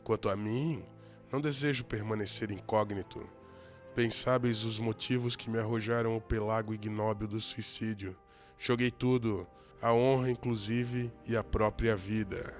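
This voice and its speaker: A man playing a low-voiced, taunting gambler. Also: fairly even intonation, moderate pace, lightly acted. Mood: mockingly courteous. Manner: theatrical, mockingly courteous. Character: brash, taunting male gambler who lost everything. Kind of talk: radio drama acting. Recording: faint music under the voice.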